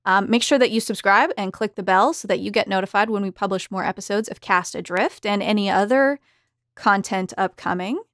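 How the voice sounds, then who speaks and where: A woman's voice: medium pitch, brisk, fairly bright tone, dry recording, studio quality. A woman hosting a podcast in a casual, conversational style, reading questions and addressing listeners. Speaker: podcast host.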